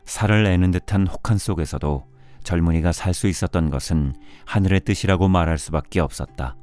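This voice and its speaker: A man reading a storybook in a measured bedtime audiobook style, with music behind him. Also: low voice, mellow. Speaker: audiobook narrator. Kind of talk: scripted storybook narration for bedtime listening.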